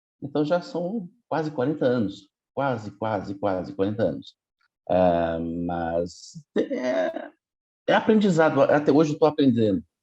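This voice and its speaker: At a fairly slow pace, a man with a fairly high, dark, mellow voice swings his pitch very widely. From Portugal, Cascais. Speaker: singer and sports commentator. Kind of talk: interview. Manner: halting, many fillers and repetitions.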